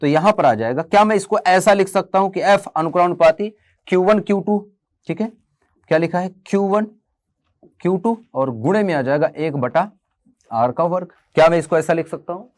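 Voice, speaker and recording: A man with a fairly high voice gives a classroom physics lesson. He explains step by step, with a north Indian Hindi accent. He keeps asking his students questions and calls them "beta". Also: normal speed. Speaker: physics teacher. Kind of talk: classroom lecture.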